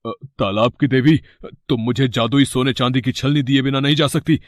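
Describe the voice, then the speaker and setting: A man's voice: mid-range voice, steady tone, normal speed, dry recording, studio quality, natural voice. A man voicing a greedy, scheming elder brother in a cartoon story, wheedling and putting on fake tears. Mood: panicked. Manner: wheedling, fake-weeping, then panicked. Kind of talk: cartoon voice acting.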